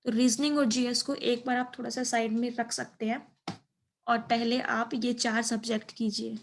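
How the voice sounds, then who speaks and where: High, even-toned young woman explaining. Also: moderate pace, a little hiss or hum. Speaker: exam-prep video teacher. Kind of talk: informal explainer of an exam paper.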